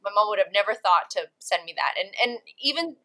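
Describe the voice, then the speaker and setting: Bright lively woman chatting on a podcast, lots of "like", laughs a lot. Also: medium pitch, brisk, low-quality recording. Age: adult, career of over two decades. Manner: chatty, laughs often, fillers like "like". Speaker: podcast guest, actress and TV host. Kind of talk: casual interview chat.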